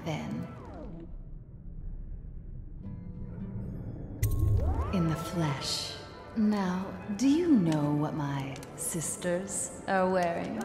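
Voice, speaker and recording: Slow, low-voiced flirtatious society lady. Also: exaggerated voice. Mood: coy, flirtatious. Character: flirtatious tipsy aristocratic woman at a masquerade party. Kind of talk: video game voice acting. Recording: echoey hall reverb with music behind.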